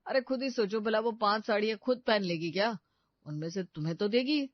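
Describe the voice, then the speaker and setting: A woman's voice: medium pitch, brisk, no room sound, highs cut off, natural voice. A woman doing an easygoing young husband. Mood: soothing. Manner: relaxed, soothing.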